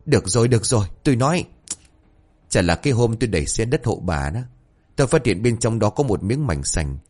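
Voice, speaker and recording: A man's voice: on the low side, very animated, a little fast, darkish tone. A man voicing a grumbling, flustered old village man who stammers out excuses.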